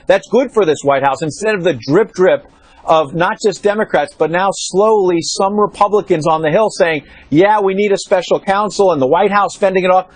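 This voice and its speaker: A man reporting from the White House on a cable news panel, explaining in a measured way with frequent fillers. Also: high voice, no room sound. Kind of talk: live news panel analysis. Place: studio or remote link from Washington.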